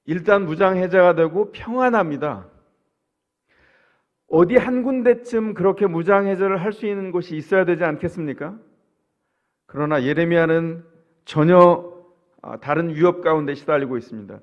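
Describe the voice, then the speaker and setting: A man's voice: high-pitched, moderate pace, pauses often, highs cut off. A male pastor from the Chungcheong region gives a sermon in a conversational style, often asking his listeners questions. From Chungcheong, South Korea. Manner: conversational preaching, asks the congregation rhetorical questions.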